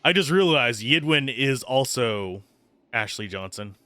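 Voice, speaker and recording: Male game streamer, lively varied intonation, commenting and narrating on-screen text, dry close mic, faint music. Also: medium pitch, measured pace, clear, resonant tone, no echo. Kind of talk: live playthrough commentary, reading game text aloud.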